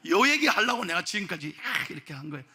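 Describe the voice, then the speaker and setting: A man preaching a sermon as a pastor, exhorting and telling a story in an animated way. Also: high-pitched, quick pace, breathy edge.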